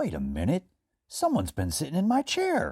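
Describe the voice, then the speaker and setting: This growling, put-on character voice moves at a moderate pace, with a dry, close sound and no echo. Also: man. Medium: read story.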